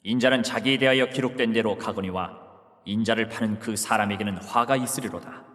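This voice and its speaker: An actor in an audio Bible drama playing a calm, solemn grown man who speaks with authority, in a measured, scriptural way. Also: lowish voice, long reverb tail, close to an everyday voice.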